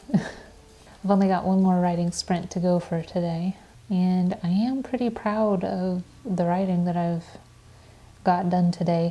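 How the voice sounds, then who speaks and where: A woman with an American accent speaks at a fairly slow pace. Her tone is dark and mellow, and somewhat breathy. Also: medium pitch for a woman, fairly even intonation. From Indiana, US Midwest. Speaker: novelist and streamer. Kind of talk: casual chat on a livestream. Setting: livestream from home. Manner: monotone.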